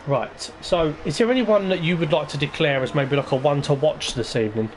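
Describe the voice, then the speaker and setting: A man's voice: fairly high pitch, normal speed, noisy background. A man commentating casually on an online racing league, rambling and hesitant with lots of ums. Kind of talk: casual race-preview commentary.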